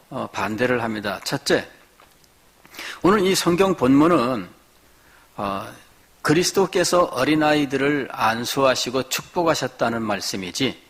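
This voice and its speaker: A man's voice: a little high, fairly bright tone. A man preaching a midweek sermon as pastor, explaining scripture and acting out quoted voices. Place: church.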